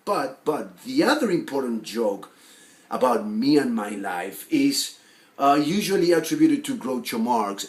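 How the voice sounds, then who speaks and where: A man performing a monologue as a neurotic, self-deprecating, lovelorn forty-year-old who rambles haltingly. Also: mid-range voice. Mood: manic, nervy. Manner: halting, rambling, full of fillers and restarts. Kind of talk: dramatic film monologue acting. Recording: roomy echo with faint background noise.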